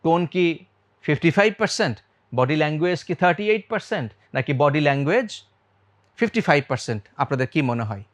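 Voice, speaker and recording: A man with a Bangladeshi accent teaches public speaking, his voice sitting a little high. He throws quick questions at his listeners and plays with loudness and speed as he talks. English words slip in among his sentences. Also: lively intonation. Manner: quizzes the audience, shifts loudness and speed on purpose. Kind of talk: lively talk to the audience.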